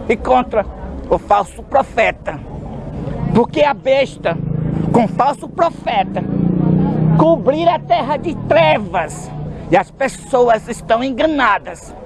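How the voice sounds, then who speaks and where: A man from Brazil with a Brazilian Portuguese accent, preaching a sermon outdoors on a city street, slow and emphatic, with sudden shouted stresses. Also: extremely high pitch, background noise.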